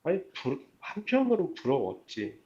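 A man's voice: fairly high pitch, wildly swooping pitch, moderate pace, dark tone, husky. Muffled male caller, hesitant and casual. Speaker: phone caller. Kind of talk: casual personal phone conversation. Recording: muffled, dull phone call.

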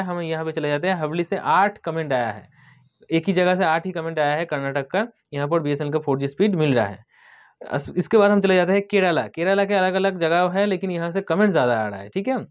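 Casual Indian tech vlogger man. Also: on the high side. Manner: spells out place names letter by letter, repeats "ठीक है". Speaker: tech channel host. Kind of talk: casual explainer reading viewer comments.

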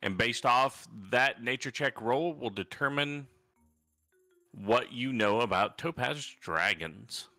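A man's voice: medium pitch, animated, takes it slowly, bright, forceful tone, soft background music. A man improvising narration as the game master of a tabletop roleplaying game.

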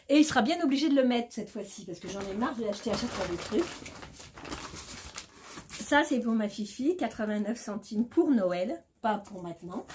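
A middle-aged woman talks in a chatty, informal way straight to her viewers, in the style of a casual haul vlog. Her pitch is average for a woman. She is recorded in a small room at home, a little way the camera, with faint noise. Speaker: shopping haul vlogger.

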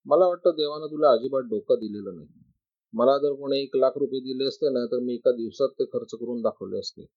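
A man's voice: medium pitch, a little fast, lightly acted. A man voicing a vain, blunt young woman who talks with scorn and boasts. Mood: mocking. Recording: dry, slightly dull recording.

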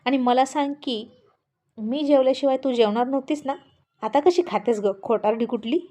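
A young husband in a storybook, curt and exasperated, scolding his wife, as a woman narrator plays him. The voice stays fairly high, close to the reader's own. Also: moderate pace, dark tone, lightly acted.

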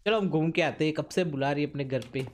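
A man's voice: a little high, fast, darkish tone. A man hosting a gaming channel, chatting casually while playing with friends, playful and teasing, laughing often. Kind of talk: casual gameplay chat with a friend.

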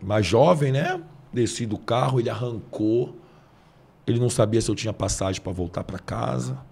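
Gravelly, husky Carioca preacher man. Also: moderate pace. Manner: earnest, drops soft and low when moved. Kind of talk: podcast testimony storytelling.

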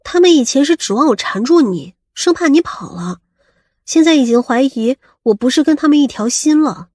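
A woman playing a high-pitched, pouting lover. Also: animated, normal speed, a little mellow, no echo, clean studio sound. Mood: wary, reasoning. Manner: pouting, reproachful. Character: sharp-tongued, coquettish woman scolding her lover.

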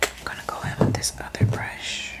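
Whispering young woman, ASMR. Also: moderate pace. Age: 20s. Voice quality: breathy, unvoiced whisper. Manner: soft repetition of words. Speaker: ASMR roleplay host as facial therapist. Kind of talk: whispered ASMR personal attention roleplay. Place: small indoor room.

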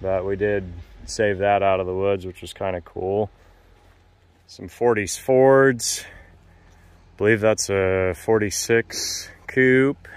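A man calmly narrating a casual walk-around tour of a wooded car lot outdoors, in matter-of-fact, unhurried remarks. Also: on the low side, clear, resonant tone, dry recording. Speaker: vlogger touring a car lot.

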